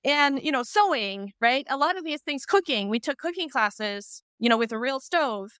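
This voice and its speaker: A woman podcast host from Iceland, chatting in a lively, talkative way with lots of asides. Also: sits high, moderate pace, clean tone, no room sound. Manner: chatty, lively, talks through ideas with asides. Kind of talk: casual conversation.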